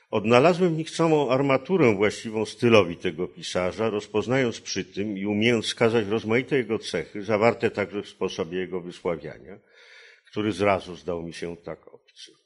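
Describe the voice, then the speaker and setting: A man with a very deep, low voice reads literary prose aloud at an unhurried, measured pace. He is a translator presenting his own text with careful attention to rhythm and phrasing. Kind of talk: reading aloud and discussing a translation.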